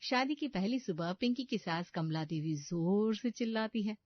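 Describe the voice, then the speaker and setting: A woman's voice: medium pitch, expressive, moderate pace, dry recording. A woman giving scripted storytelling narration for a cartoon. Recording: dull lo-fi dry recording.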